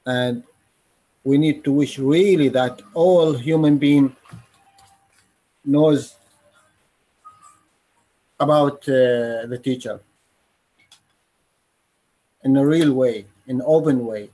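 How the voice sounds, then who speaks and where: A man talks slowly and earnestly in short, broken phrases on a video call. His voice is husky and sits at a middle pitch. He speaks as a panelist. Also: warm tone, rough recording. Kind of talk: online panel discussion.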